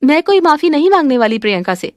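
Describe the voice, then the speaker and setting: A woman's voice: high-pitched, big pitch swings, fast talker, no echo, highs cut off. A woman voicing a jealous, scheming young daughter-in-law who answers back shrilly and defensively. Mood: protesting.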